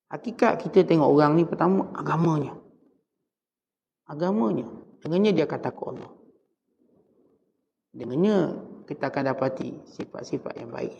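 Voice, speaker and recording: A man's voice: fairly high pitch, creaky, dark tone, in a large hall, highs cut off. A man with a Malaysian Malay accent giving a conversational religious lecture, with joking asides. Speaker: religious teacher.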